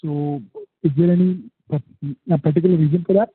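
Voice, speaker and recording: A man's voice: on the high side, steady tone, fairly quick, slightly rough, dry recording. A man with an Indian accent, an analyst calling in to an earnings call, asks questions somewhat hesitantly over a phone line. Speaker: analyst caller asking questions. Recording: dry, tinny narrowband phone line.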